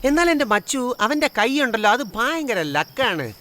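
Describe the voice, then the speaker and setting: An actor dubbing a cheeky young petty thief in a comedy film, wisecracking and cowardly. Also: male voice, very high voice, very animated, fairly quick, pushed and bright, slight background noise, heavily acted. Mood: joking. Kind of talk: Malayalam film dub.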